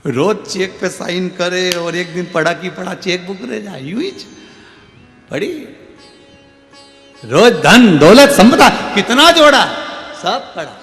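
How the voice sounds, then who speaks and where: Animated preacher guy telling a story sermon, fairly high voice, big echoey hall. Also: slow, long pauses. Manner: animated, dramatic swings in loudness. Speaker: katha preacher. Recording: echoey hall with faint music.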